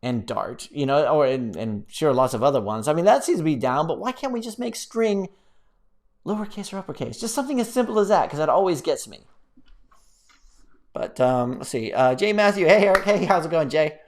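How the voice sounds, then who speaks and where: A man's voice: a little high, moderate pace. Rambling, casual male live-stream host. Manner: rambling, animated, playfully exclamatory. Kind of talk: casual live chat, reading out viewer comments.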